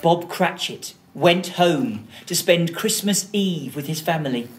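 Expressive, unhurried woman storyteller. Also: low-pitched, faint music behind. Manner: dramatic, deliberate phrasing. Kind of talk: theatrical storytelling for children.

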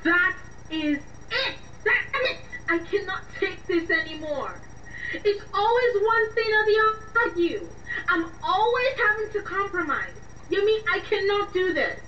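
A woman's voice: very high voice, very animated, a little slow, pushed and bright, full character voice. An actress playing a weary, exasperated young woman in a radio drama, with an emotional, reproachful delivery. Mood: tearful, accusing. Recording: dull, noisy, echoey, distant mic.

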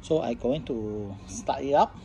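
Mellow-voiced man, halting Southeast Asian demo. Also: medium pitch, expressive, a little hiss or hum. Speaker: product demonstrator. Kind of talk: unscripted hands-on product demonstration. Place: indoors at a tabletop, faint background noise.

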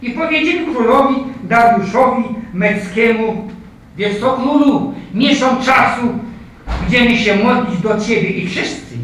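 A man's voice: high-pitched, fairly bright tone, a little hiss or hum. An older man preaching a sermon, addressing listeners as "kochani moi", reading Bible verses aloud and asking the congregation rhetorical questions. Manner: asks the congregation rhetorical questions, frequent "prawda?" and "tak?". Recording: echoey hall, distant mic, faint ambience.

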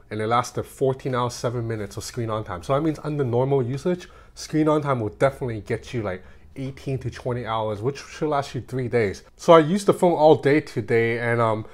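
A man's voice: mid-range voice, a little mellow. Casual man reviewing a gadget. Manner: conversational, informal. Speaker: tech reviewer. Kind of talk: casual hands-on phone review.

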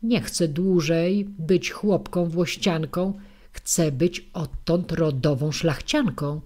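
A woman's voice: sits low, takes it slowly, warm tone. A woman voicing a humble old fisherman who begs a magic fish for favors. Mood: pleading. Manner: pleading.

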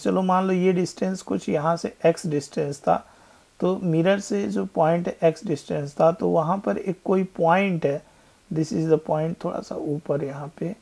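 A male physics tutor talking through an exam question step by step, switching between Hindi and English and slowly rereading the question text. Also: sits high, vocal fry, mellow. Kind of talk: whiteboard exam-problem walkthrough. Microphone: voice-over on a screen recording.

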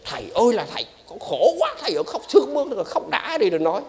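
A man's voice: high voice, wildly swooping pitch, racing, a little mellow, voice pushed up. A man acting out a weeping young wife who pleads with a monk. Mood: sobbing. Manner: sobbing, pleading.

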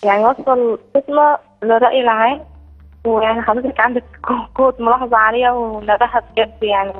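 A woman's voice: fairly high pitch, steady tone. A woman with an Egyptian accent calling in over a poor phone line, talking earnestly with lots of fillers. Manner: rapid, earnest, full of fillers and praise. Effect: caller on a poor phone line. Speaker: caller. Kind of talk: call-in chat.

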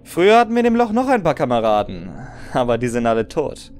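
A man's voice: medium pitch, sing-song, fast talker, a little mellow, slight background noise, close to an everyday voice. A man playing a jaded but comradely veteran soldier in an audio drama, blunt and resigned.

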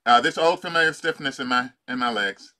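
An older man leading a tapping exercise over a video call, playful and laughing, often pausing with fillers. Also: medium pitch, bright, forceful tone. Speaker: life coach. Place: home room.

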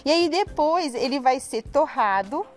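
A woman in her thirties with a high, expressive voice presents cocoa recipes as a guest on a live TV cooking segment, talking a little slowly. She explains the cocoa products enthusiastically and calls the viewers "gente." A lapel mic records her on a studio set with a kitchen table.

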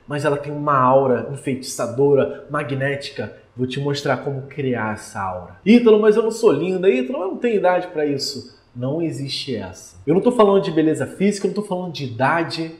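A man from Brazil, a relationship coach, talking straight to the viewer in an energetic, emphatic way. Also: a little high, roomy sound. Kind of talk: direct-to-camera coaching talk.

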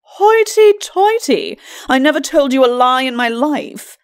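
A woman's voice: high voice, animated, a little slow, dry recording, studio quality, voice pushed up. Woman doing a blustering skeleton lord. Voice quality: rough. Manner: blustering, indignant, muddled. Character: pompous aching skeleton lord, blustering old drunk.

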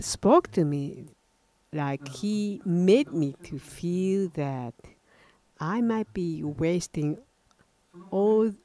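An older man from Japan, a native Japanese speaker, preaching a sermon in English with a Japanese accent, halting and often correcting himself. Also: fairly high pitch, darkish tone. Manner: halting, frequent self-corrections and restarts. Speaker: pastor. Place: church platform at a wooden lectern, indoors.

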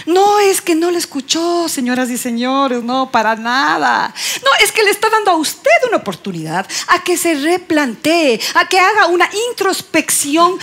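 Ecuadorian woman, stand-up comic, teasing, high animated voice. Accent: Ecuadorian Spanish. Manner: playful, teasing the audience. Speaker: stand-up comedian. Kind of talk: stand-up comedy monologue.

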